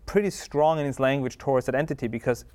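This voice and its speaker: A man co-hosting a casual Bible study discussion, explaining in a measured way with many fillers. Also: medium pitch, a little mellow. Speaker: co-host.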